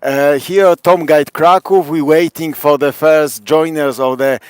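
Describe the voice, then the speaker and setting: A man with a strong Polish accent, a city tour guide chatting through a live-streamed night walk in halting English full of fillers. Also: fairly high pitch, fairly even intonation, clear, resonant tone, no room sound, clean studio sound. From Poland. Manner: rambling, many fillers, halting non-native English. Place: outdoors on a city square at night.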